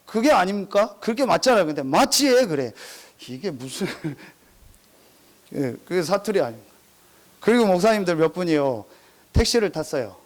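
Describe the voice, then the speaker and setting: A man's voice: high voice, very animated, normal speed, pauses often. A male pastor preaching a sermon filled with humorous anecdotes. He talks straight to the congregation with rhetorical questions, mimics regional dialects and laughs at his own jokes.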